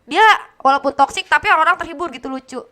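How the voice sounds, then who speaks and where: A woman's voice: sits high, racing, pushed and bright. A young woman, a gaming caster chatting bluntly as a podcast guest. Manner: chatty, blunt, laughs often. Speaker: guest, esports caster and streamer. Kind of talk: casual podcast interview.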